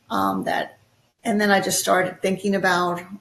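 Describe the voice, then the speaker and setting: Speaking at a moderate pace, a woman uses a medium pitch with vocal fry. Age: 60s. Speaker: business executive and author. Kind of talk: interview.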